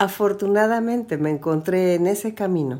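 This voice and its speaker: A woman with a plain, everyday voice speaks at medium pitch and a moderate pace, her intonation lively, in a very clean recording with a silent background. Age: 60s. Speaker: radio broadcaster. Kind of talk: testimony.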